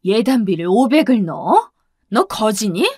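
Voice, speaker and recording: A woman's voice: medium pitch, sing-song, unhurried, slightly rough, no room sound, studio quality. A woman voicing a haughty, furious middle-aged future mother-in-law who berates with contempt. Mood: contemptuous. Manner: contemptuous, shouting.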